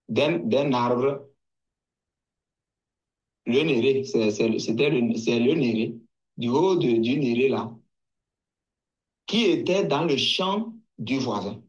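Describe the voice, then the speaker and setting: A man from Togo telling his testimony at an unhurried, deliberate pace. His voice sits at a middle pitch. He speaks haltingly, often restarting and repeating words. The sound is dull and lo-fi. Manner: hesitant, halting, with many restarts and repetitions. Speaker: guest giving a testimony. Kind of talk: slow personal testimony.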